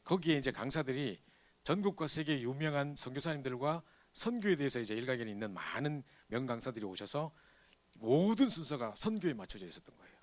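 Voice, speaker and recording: Guy preaching to the youth group, fast and animated, storytelling his testimony. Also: mid-range voice. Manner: animated storytelling, acts out scenes. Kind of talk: sermon with personal testimony.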